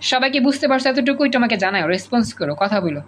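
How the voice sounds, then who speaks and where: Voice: medium pitch, animated, very fast, a bit bright, a little hiss or hum, rough recording. A woman with a Bangladeshi Bengali accent teaching an online class, repeating points and coaxing students to answer over a video call.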